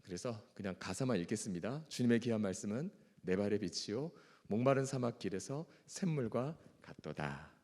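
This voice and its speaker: A male pastor with a strained, ailing throat teaches a Bible class in a church hall, formal and earnest, mixing lecture with reading and prayer. His lowish, slightly mellow voice is animated and a little fast with few pauses, and long hall reverb echoes around him.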